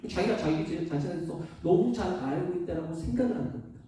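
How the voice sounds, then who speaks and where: A man's voice: on the high side, lively intonation, fast, dark tone, heavy reverb, far from the mic, poor audio. A male pastor preaching a sermon, asking his congregation rhetorical questions and then answering them himself.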